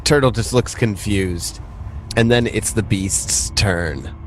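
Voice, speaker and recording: A man's voice: fairly low pitch, slow, a little hiss or hum. A man narrating a tabletop roleplaying game as game master in a casual, conversational way. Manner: informal, conversational.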